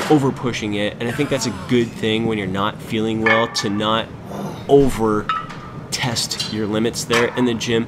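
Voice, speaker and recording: A moderately paced male voice amid noticeable background noise. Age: 30s. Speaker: fitness coach. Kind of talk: workout voice-over narration.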